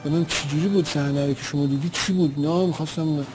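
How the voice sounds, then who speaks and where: A man's voice: a little high, fairly even intonation, over music, poor audio. A man giving spoken testimony as an eyewitness, retelling events in an earnest, vivid way.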